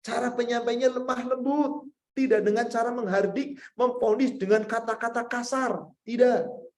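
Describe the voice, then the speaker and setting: High-voiced man preaching a sermon. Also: steady tone, moderate pace. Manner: conversational, asks the audience many rhetorical questions; addresses listeners directly as sir and madam. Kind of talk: Islamic sermon with Q&A.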